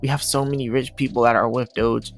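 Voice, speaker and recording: A man's voice: medium pitch, fairly even intonation, a little fast. A man giving casual, repetitive, hyping commentary over charts as a video host. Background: music.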